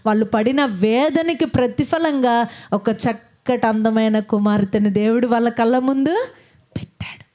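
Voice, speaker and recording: A woman with a fairly high voice preaches a sermon. She asks her listeners questions and answers them herself, then leads everyone in prayer. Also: a little slow, warm tone.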